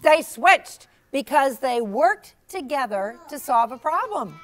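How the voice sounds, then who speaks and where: High-pitched woman leading children's story time. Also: takes it slowly. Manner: encouraging, praising, animated teacher-like delivery. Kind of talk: interactive story session with young children, asking questions.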